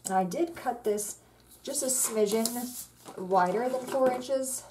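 Speaking slowly in a fairly high voice, a woman leads a casual card-making tutorial. She explains each step in a chatty, relaxed way with fillers, at an indoor craft table under an overhead camera that shows just her hands. Slight background noise is present.

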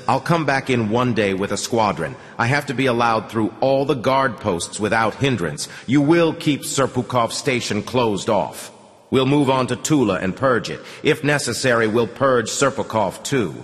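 A man voicing a quiet, ruthless brigadier. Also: mid-range voice, voice pushed up, lightly acted. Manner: quiet, clipped, commanding. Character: cold, ruthless male military brigadier. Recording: long reverb.

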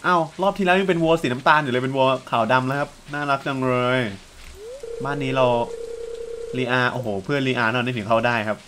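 A young man giving casual, chatty commentary while playing a farming game, often breaking into excited exclamations. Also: medium pitch, fast talker, noisy background. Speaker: let's play gamer.

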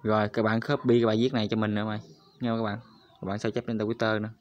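A man's voice: lowish voice, little pitch movement, rapid-fire, lo-fi sound. A man hosting a screen-recorded crypto tutorial, talking viewers through each step and repeating his address to them constantly. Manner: repetitive, addresses viewers constantly as "các bạn".

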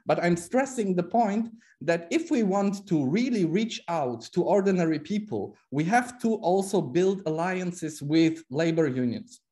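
Emphatic panelist on video call; animated intonation, warm mellow tone. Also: mid-range voice, unhurried, hardly any pauses. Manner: emphatic, argumentative. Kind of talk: online panel discussion. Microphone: laptop video call.

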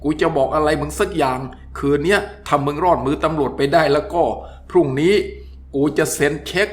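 A man's voice: on the high side, a little fast, slight background noise, lightly acted. A man voicing a tough, commanding master thief who speaks with coarse contempt and open threats. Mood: contemptuous.

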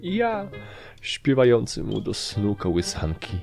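A man narrating an audiobook in a very low, gravelly voice. His delivery is dry and wry, and it moves lively up and down. Faint music plays softly behind him. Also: a little slow. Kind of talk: first-person audiobook narration.

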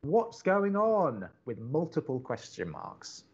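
Man acting as earnest, expressive young college radio co-host. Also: on the high side, takes it slowly, breathy edge, dull audio, heavily acted. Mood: cheerful, coaxing. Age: young adult. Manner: hesitant, stammering. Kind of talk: naturalistic romantic comedy podcast acting.

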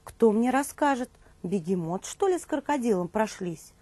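Brief: female children's storyteller, thirties, high-pitched voice with a slightly rough, breathy edge. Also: expressive, normal speed, dark tone, no room sound. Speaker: children's show presenter and storyteller. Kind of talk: expressive storytelling for young children. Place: indoor TV studio dressed as a nursery.

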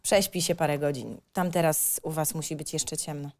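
A woman's voice: low voice, steady tone, normal speed, a little mellow. An actress playing a caring, fussing mother with a tender manner in an audio drama script reading.

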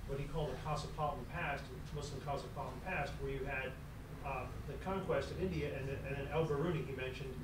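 A man on a panel telling a historical anecdote in a lively way with quoted asides. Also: on the high side. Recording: echoey, distant, noisy room.

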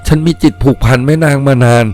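A man's voice: medium pitch, quick pace, darkish tone, natural voice. A lovestruck painter, acted by a male storyteller pours out devotion in a fervent, insistent plea. It is a storybook telling with music in the background. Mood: pleading, lovelorn. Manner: fervent, stammering, insistent pleading.

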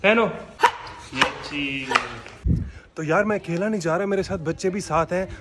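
A man with a notably high-pitched voice films a casual family vlog. He teases and coaxes children in a playful, chatty way. The camera audio carries clear background noise from outdoors. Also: normal speed. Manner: playful, teasing, coaxing. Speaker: vlogger.

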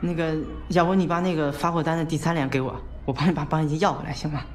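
An actor playing a hapless, evasive delivery man in his thirties, halting and rambling in film dialogue. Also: on the high side, steady tone, big-room sound, slight background noise, close to an everyday voice. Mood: placating.

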